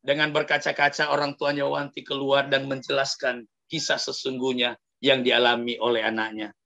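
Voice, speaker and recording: A male pastor telling a story in an animated sermon, often addressing the congregation directly. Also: mid-range voice, normal speed, vocal fry, muffled recording. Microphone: livestream sermon mic.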